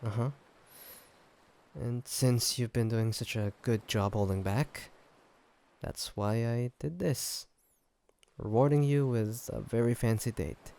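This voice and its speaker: Man playing a creaky-voiced, gently teasing boyfriend. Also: medium pitch, steady tone. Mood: tender, hesitant. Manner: casual, halting, gently teasing, chuckling delivery. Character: affectionate, teasing human boyfriend on a fancy date. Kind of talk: roleplay audio drama, intimate one-sided conversation.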